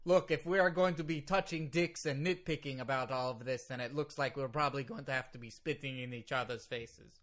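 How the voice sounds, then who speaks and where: A man's voice: medium pitch, steady tone, a little fast, hardly any pauses, a bit bright, natural voice. A man voicing an argumentative, pompous Russian lawyer with a thick Russian accent and muddled English, in an improvised comedy podcast bit. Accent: thick put-on Russian. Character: odd, self-assured male Russian lawyer mangling American sayings.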